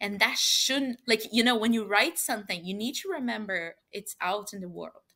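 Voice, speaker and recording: A woman at a medium pitch with ordinary pitch variation, with a Portuguese accent, on a very clean recording with a silent background. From Brazil. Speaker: romance author. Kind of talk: casual chat.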